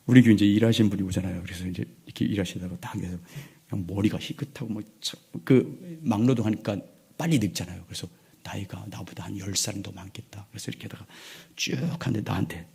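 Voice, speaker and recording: Gravelly, husky older pastor preaching. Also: male voice, lowish voice, steady tone, fast. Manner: preaching that swings between loud emphasis and hushed, near-whispered lines. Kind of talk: sermon. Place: church sanctuary.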